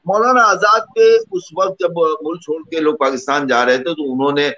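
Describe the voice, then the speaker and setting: A middle-aged man speaking as a panelist in a debate, talking quickly and piling up one example after another. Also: fairly high pitch, bright, forceful tone. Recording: muffled lo-fi audio.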